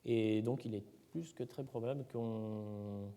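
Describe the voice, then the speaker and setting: A man's voice: fairly low pitch, steady tone, slow, dark tone. A man presenting excavation results at a seminar, hesitant, with many fillers and restarts. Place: lecture hall. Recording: reverberant lecture hall.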